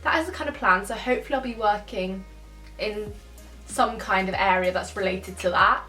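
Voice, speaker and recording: A woman's voice: mid-range voice, moderate pace, pushed and bright, distant mic. A twenty-year-old woman who grew up in Spain, chatting casually through viewer questions and thinking aloud as she goes. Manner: chatty, thinks aloud, laughs now and then. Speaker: YouTuber answering viewer questions. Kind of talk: casual Q&A chat. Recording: echoey room, voice a bit off-mic, faint music.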